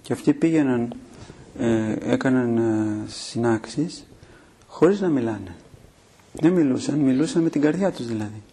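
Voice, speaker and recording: A man preaching a sermon, teaching in a steady way with filler pauses and rhetorical questions. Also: medium pitch, slightly rough.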